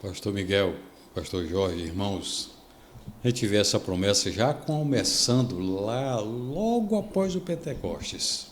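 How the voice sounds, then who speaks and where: A Brazilian pastor with a fairly low voice tells stories on a devotional podcast, acting out the people he quotes. The room gives his voice a noticeable echo, with a faint hiss underneath. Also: takes it slowly. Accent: Brazilian Portuguese. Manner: animated storytelling, acts out quoted speech.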